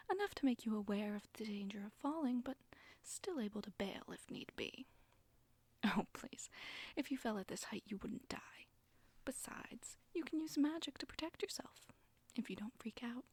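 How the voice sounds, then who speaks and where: A woman voicing a flirty, bossy witch who teaches broom riding, in a soft breathy ASMR roleplay whisper. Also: fairly high pitch, dry recording. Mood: soothing, then teasing. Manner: teasing, bossy, instructive. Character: flirty, sassy witch broom-riding instructor, condescending but coaxing.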